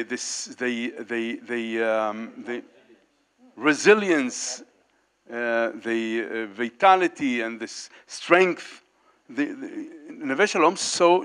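A man's voice: high voice, fairly bright tone. A man in his sixties speaking on a panel in a meeting hall, holding a handheld mic, with many fillers and restarts. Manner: halting, many fillers and restarts, gestures while talking. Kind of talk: unscripted panel remarks. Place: large indoor meeting hall, panel table.

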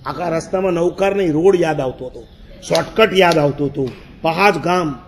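A man's voice: on the high side, normal speed. A man, a Jain monk telling a story in a sermon, acting out his own past words and laughing as he goes.

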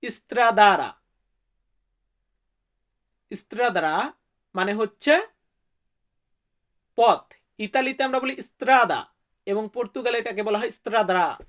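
A man's voice: high-pitched, normal speed, pauses often, a bit bright. A man from Bangladesh, teaching vocabulary to viewers and repeating each word so they can say it back. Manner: friendly, calls viewers brother. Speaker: language teacher.

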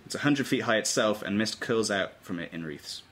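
A man's voice: on the low side, expressive, normal speed, fairly bright tone. A man giving scripted narration, reading stage directions at a table read. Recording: faint room noise.

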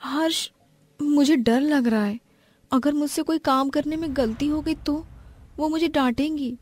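A woman voicing an anxious, timid young bride in an animated family drama, with an Indian accent. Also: high-pitched, unhurried. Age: young adult.

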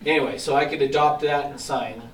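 A somewhat higher-pitched man teaching a class of agents, casual and self-deprecating as he explains each step. His voice is getting hoarse. He sounds roomy and set back from the microphone, with a faint hiss underneath. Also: steady tone, brisk. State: losing his voice, throat-clearing. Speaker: real estate agent trainer. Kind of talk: software training walkthrough. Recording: echoey room from far off, faint hiss.

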